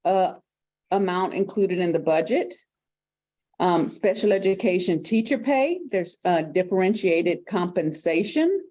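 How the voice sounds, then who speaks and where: A woman's voice: fairly low pitch, lively intonation, unhurried, warm tone, muffled recording. A woman giving a committee report at a public council meeting, reading from notes with fillers and small restarts.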